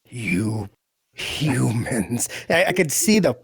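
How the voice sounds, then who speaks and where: A man's voice: mid-range voice, takes it slowly, gravelly, slightly rough, no room sound. Effusive man, very dry close sound. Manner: effusive, animated storytelling, quoting reactions. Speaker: audio drama producer and sound editor. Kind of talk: casual chat.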